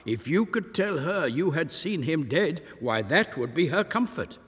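A man voicing an excitable, kindly old village woman who speaks in rustic dialect. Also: on the high side, measured pace, slightly rough, voice pushed up, full character voice. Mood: exclaiming. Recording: reverberant room.

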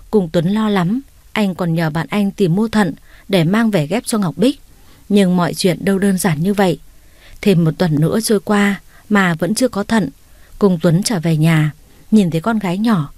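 A woman reading a family drama story aloud in a plain, even narrating voice. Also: lowish voice, dry recording. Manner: reads every part herself, plain and even.

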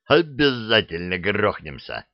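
Guy voicing a slow dopey dragon head, flat-ish delivery, dry dull sound. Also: on the low side, no echo. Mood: matter-of-fact. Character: matter-of-fact dragon head, male, slow-witted.

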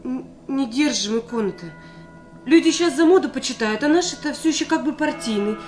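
An actress playing a welcoming, solicitous grown daughter in a radio drama, homely and given to exclaiming. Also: female voice, high-pitched, animated, fairly quick, darkish tone, soft background music. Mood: apologetic, caring. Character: welcoming, fussing grown daughter, simple shop worker. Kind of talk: naturalistic stage-style radio drama acting.

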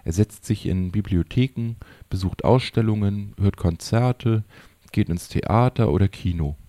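A man's voice: fairly low pitch, a little slow, mellow, dry recording, close to an everyday voice. A man voicing a talkative elderly village woman in an audiobook, in a chatty and admiring tone. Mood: fond.

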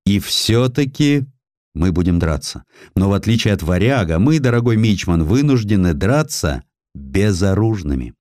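A man's voice: lowish voice, sing-song, normal speed, darkish tone, no echo, studio quality. A man playing a proud, defiant Russian destroyer commander, firm and formal, in an audiobook. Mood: grim resolve.

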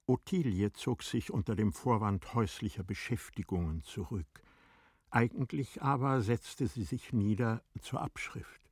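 A male narrator with a deep, husky voice tells a classic story for radio drama. The delivery is measured and formal, recorded very dry and close. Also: darkish tone, dry recording. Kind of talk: scripted literary narration for a radio play.

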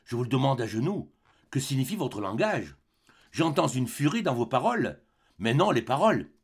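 A man reading a play aloud, voicing a frightened young wife who pleads softly and in bewilderment. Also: medium pitch, sing-song, normal speed, breathy edge. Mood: pleading.

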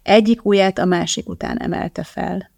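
A woman narrating an audiobook in an even, measured storytelling manner. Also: lowish voice, creaky, dry recording, studio quality. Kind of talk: scripted narration.

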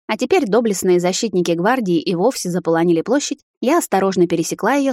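A woman reading a fantasy novel in the first person, brisk and expressive. Her pace runs quick and lively. The recording is close and dry, with no room echo. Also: mid-range voice. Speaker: audiobook narrator.

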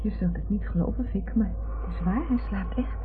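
An actress playing an anxious, caring wife in a radio drama, speaking in a worried, plaintive manner. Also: female voice, medium pitch, fairly quick, close to an everyday voice. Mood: subdued. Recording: tinny narrowband radio play, clear noise.

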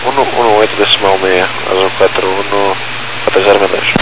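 A man with a Brazilian accent talks over an aviation radio as an airline pilot. His voice sits very low and comes through a hiss of radio static. He sounds brisk and matter-of-fact, using clipped flight phraseology. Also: steady tone. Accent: Brazilian Portuguese. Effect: heard over an aviation radio. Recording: noisy cockpit radio transmission.

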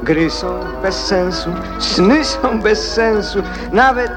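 A man's voice: high-pitched, takes it slowly, music in the background. A man playing a whimsical cat musing on nonsense in lilting rhyme in a musical radio play.

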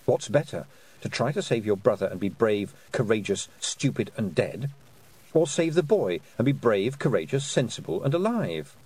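A man's voice: fairly low pitch, big pitch swings, moderate pace, a little mellow, slightly rough. A man reading aloud and voicing a young girl's urgent, logical inner thoughts. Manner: insistent, urgent, arguing.

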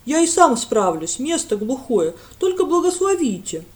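A woman doing a loud, simple village lad. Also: sits high, big pitch swings, moderate pace, voice pushed up. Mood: eager. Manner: loud, eager, drawling folksy talk. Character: big simple-minded village lad, eager.

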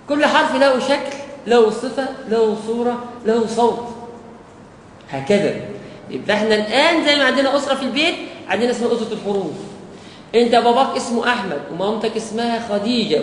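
A man with an Egyptian Arabic accent teaching a Quran course, often putting questions to his listeners and answering them himself. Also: extremely high pitch. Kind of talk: recorded lecture to teachers. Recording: echoey hall with long reverb and faint hiss.

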